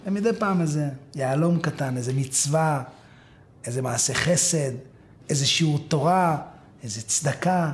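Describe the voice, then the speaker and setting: High-voiced male preacher telling a parable. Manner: animated, acts out the story's voices, addresses listeners directly. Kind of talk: sermon with dramatic storytelling.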